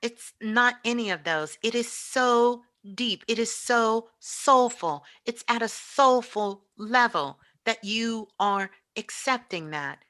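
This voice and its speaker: Woman, higher-pitched, impassioned spiritual teacher, repeats phrases for emphasis, forceful tone. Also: animated, takes it slowly, hardly any pauses. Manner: emphatic, repetitive, preacher-like delivery.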